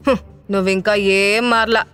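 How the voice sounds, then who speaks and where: A woman voicing a domineering older father who speaks harshly and shouts in anger. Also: mid-range voice, fairly even intonation, normal speed, smooth, natural voice. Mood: furious.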